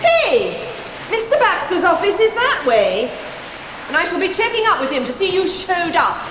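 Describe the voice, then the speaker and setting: An actress playing a stern, exasperated British schoolteacher in a television drama, scolding in a strict, clipped way. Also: female voice, very high-pitched, sing-song, normal speed. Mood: stern exasperation. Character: stern, exasperated female schoolteacher demanding respect. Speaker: actor in a school drama series. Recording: echoey hard space with rain noise.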